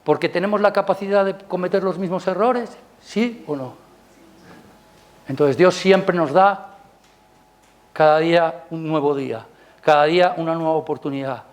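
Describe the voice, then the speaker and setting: A man with a Spanish accent preaching a Sunday sermon in church, chatting with the congregation through rhetorical questions, his voice climbing loud on key points and dropping soft. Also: normal speed, pauses often. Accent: Spanish from Spain. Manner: rises loud and high on emphasis, drops soft. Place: church service.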